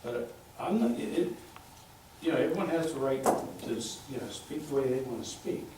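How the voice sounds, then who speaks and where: A council member with a gruff, loud voice who speaks bluntly and defiantly in a meeting debate. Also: male voice, mid-range voice, expressive, normal speed, very noisy. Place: council chamber. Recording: very echoey chamber audio from far off.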